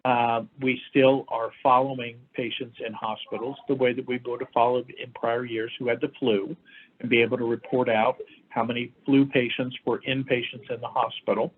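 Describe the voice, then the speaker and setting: A man with a hoarse voice from a lingering respiratory infection, giving an informal medical briefing as a doctor, explaining things in measured, emphatic phrases. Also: mid-range voice, little pitch movement. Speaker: doctor hosting a health update for firefighters and EMS. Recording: thin, phone-like band-limited audio.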